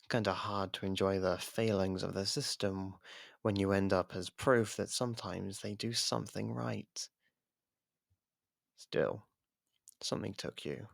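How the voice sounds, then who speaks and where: A man playing an imprisoned serial killer in an ASMR audio drama, smug, taunting and flirtatious, with a husky, gravelly voice and a sarcastic drawl. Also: on the low side, dry recording, clean studio sound. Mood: bored, boastful. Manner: drawling, sarcastic, teasing delivery.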